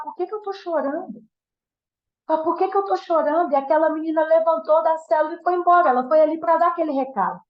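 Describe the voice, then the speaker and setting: A woman from giving an earnest, emotional testimony sermon, often restarting her sentences. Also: high-pitched. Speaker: guest minister giving a testimony. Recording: roomy, dull church sound.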